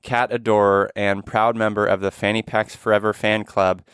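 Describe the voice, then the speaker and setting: A man hosts a casual podcast chat in an earnest, gentle manner and often restarts his phrases. His voice is smooth and resonant, sitting a little low. The close-miked sound is dry, with no room around it. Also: little pitch movement, normal speed, dry recording. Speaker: podcast host.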